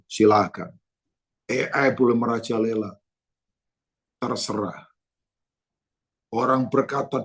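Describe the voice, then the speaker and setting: A man pastor preaching a sermon, telling stories and addressing the congregation directly in an animated way. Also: medium pitch, creaky, slightly rough. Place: church.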